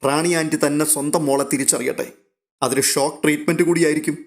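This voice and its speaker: A man's voice: fairly high pitch, fairly even intonation, quick pace, close to an everyday voice. A man voicing a playful, teasing woman, like an elder sister giving clues over the phone.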